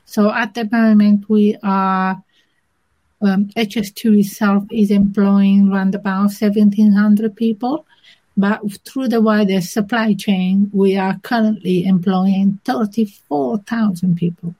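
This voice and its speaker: A woman with an Italian accent, an interview guest who explains things in a measured, thoughtful way with many pauses. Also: medium pitch, steady tone, dark tone, poor audio. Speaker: interview guest, inclusion manager. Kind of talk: conversational interview.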